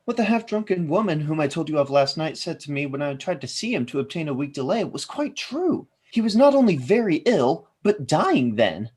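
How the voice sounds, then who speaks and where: Man playing husky, earnest worried husband. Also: fairly high pitch, very animated, fairly quick, hardly any pauses, a little mellow. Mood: grave hope. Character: worried, debt-ridden husband, gently hopeful. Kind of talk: radio drama acting.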